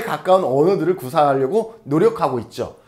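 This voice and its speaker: Moving at a moderate pace, a man's voice shows very wide pitch swings. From Korea, Jeju Island. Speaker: social welfare lecturer. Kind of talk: lecture. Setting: recorded in front of a camera. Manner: conversational, rhetorical questions.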